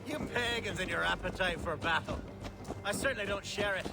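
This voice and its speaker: A fretful, high-voiced pious medieval Christian. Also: male voice, a little fast, vocal fry. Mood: worried. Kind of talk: dramatic video game acting. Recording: loud game music over the voice.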